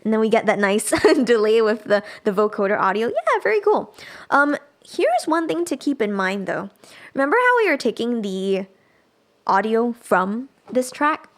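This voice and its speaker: Female tutorial host, slightly high-pitched, casual and explanatory, thinks aloud while working through software. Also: sing-song, moderate pace. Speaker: music production instructor.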